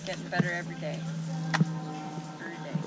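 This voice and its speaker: A woman's voice: lowish voice, steady tone, fast, over loud music. A woman co-hosting a sailing vlog, chatting casually and laughing in a sailboat cockpit in a marina. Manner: laughing, breezy, drinking rum. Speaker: co-host, liveaboard sailor. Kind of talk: casual chat on camera.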